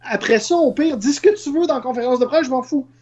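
A woman's voice: sits high, fast talker, mellow, breathy edge. A woman with a Quebec French accent giving opinions in a casual discussion, emphatically, point by point, restarting as she goes. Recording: dull, muffled lo-fi sound.

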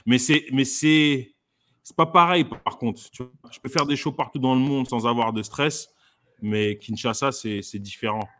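A man's voice: mid-range voice, moderate pace, a bit bright. A man, a comedian guest, talking casually with frequent fillers and restarts. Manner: hesitant, many fillers and restarts, laughs often. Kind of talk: casual conversation.

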